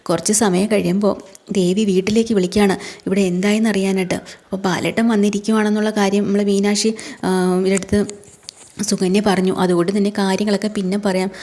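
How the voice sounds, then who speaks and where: A woman's voice: mid-range voice, level tone, fairly quick, warm tone. A woman casually retelling a television serial episode, chatty and colloquial with frequent tag words and fillers. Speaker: serial recap narrator. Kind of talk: casual spoken story recap.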